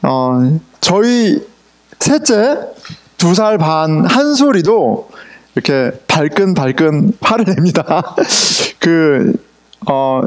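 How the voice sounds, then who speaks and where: A middle-aged man preaching a sermon as pastor, conversational, asking his congregation questions and mixing in English words. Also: sits high. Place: church sanctuary.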